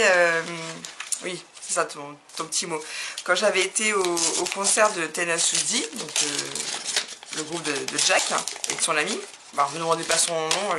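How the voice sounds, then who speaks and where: A woman's voice: fairly low pitch, bright, forceful tone. A woman from France chatting casually as she opens fan mail for her craft videos, laughing often and gushing with enthusiasm. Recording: audible background noise.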